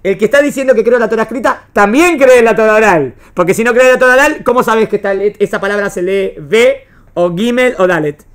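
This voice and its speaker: Speaking quickly in a fairly high voice, this woman teaches religious studies with a Rioplatense Spanish accent. Her classroom lecture is punctuated by frequent checks that the students are following.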